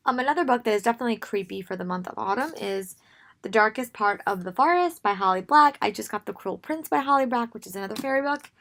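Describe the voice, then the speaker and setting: A young woman who has lost her voice, sounding hoarse and strained, chatting casually and rambling with many pauses about books she wants to read. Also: fairly high pitch, lively intonation, fairly bright tone. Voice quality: gravelly, strained. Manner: rambling with frequent ums. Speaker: book vlogger. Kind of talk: casual book haul talk.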